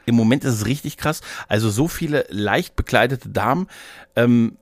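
At a moderate pace and medium pitch, a man co-hosts a podcast, recorded with no echo. His talk is casual and meandering, colloquial and peppered with English slang.

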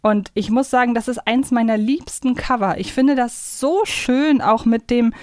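A woman's voice: a little high, normal speed, a little mellow, no echo, studio quality. A woman chatting casually as a podcast co-host.

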